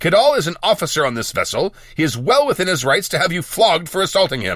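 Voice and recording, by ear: Putting on a character voice, a man talks fast in a fairly high pitch with a bright, sharp tone and big pitch swings.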